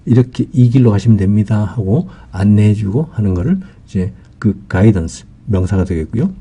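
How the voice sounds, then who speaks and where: A man's voice: on the low side, expressive, moderate pace, dark tone, breathy edge. A man giving an English vocabulary lesson, explaining patiently with many fillers.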